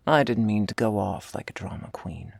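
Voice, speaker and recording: A woman voicing a tough but secretly tender female half-orc commander in a slow, confessional ASMR role-play, with a husky, gravelly, breathy voice. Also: a bass voice, animated, no room sound, full character voice. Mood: earnest, confiding. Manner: slow confessional delivery, often dropping in a soft voice.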